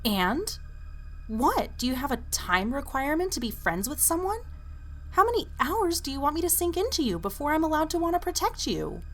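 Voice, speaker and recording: An actress playing an intense, defensive and protective young waitress in an audio drama, speaking bluntly and insistently. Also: female voice, high voice, big pitch swings, normal speed, fairly bright tone, soft background music. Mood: exasperated. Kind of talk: animated audio drama acting.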